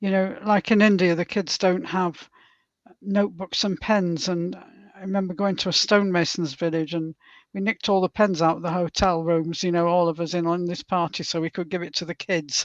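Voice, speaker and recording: A woman with a strong Yorkshire accent speaks at a fairly low pitch with fairly even intonation. The sound is dry and close with no echo, over a quiet background. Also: moderate pace. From northern England, Yorkshire (Leeds). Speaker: guest of spirituality community chat. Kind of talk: casual interview conversation. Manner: hesitant, frequent fillers.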